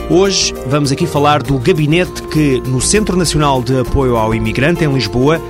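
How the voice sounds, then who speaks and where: Male radio host over music. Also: mid-range voice. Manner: measured, announcer delivery. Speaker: radio show host, narrator. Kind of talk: scripted radio narration. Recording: radio show with music bed.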